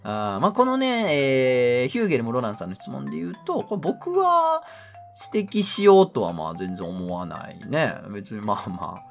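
A man's voice: mid-range voice, moderate pace, creaky, soft background music. A middle-aged man with a Kansai accent, hosting a casual talk show, reading listener mail and joking to himself. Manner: joking, animated, talks to himself. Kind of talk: casual radio chat.

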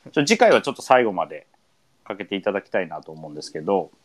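A man hosting a casual radio chat, easygoing and filling pauses with many hesitation sounds. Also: sits low, big pitch swings. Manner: easygoing, leads with many fillers. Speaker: radio show host.

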